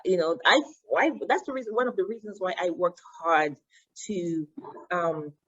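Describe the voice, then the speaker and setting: Woman, Cameroonian accent, Yemba first language, lowish pitch, animated, muffled lo-fi recording. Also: normal speed. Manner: animated, frequent restarts. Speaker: guest. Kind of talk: interview conversation. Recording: dull lo-fi sound.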